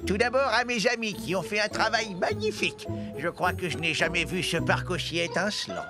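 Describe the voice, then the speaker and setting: A man voicing a courteous old gentleman in a children's cartoon, speaking in a formal, effusive, ceremonious way. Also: sits high. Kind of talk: French-dubbed children's cartoon acting.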